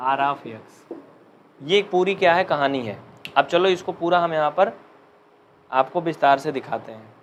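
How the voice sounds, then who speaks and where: A young man with an Uttar Pradesh Hindi accent teaching maths in a live online class, chatting and joking, and dictating slowly. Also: on the high side, lively intonation, highs cut off, slight background noise.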